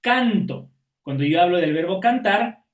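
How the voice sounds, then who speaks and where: A man's voice: a little high, animated, normal speed, echoey room. A man teaching an online class, patiently explaining and checking in with his students after every point.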